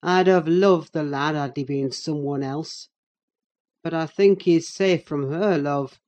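A woman reads as a bitter, scornful middle-aged man in a storybook recording, his voice gruff, dark and mellow, with a rougher timbre than the narration. He speaks with open contempt, and the pitch sits lower than the reader's own voice. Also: slow, dull audio. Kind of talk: audiobook character voice.

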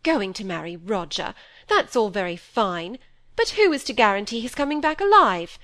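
A woman's voice: medium pitch, very animated, normal speed, fairly bright tone. A woman voicing a self-pitying, fussy middle-aged stepmother who gushes and complains. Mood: fretful.

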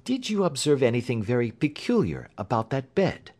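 A man voicing a sharp-minded male detective, speaking in a crisp, explanatory manner. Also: mid-range voice, sing-song, normal speed, pitched above the performer's own voice. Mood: intense. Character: Holmes, sharp reasoning male detective, adult.

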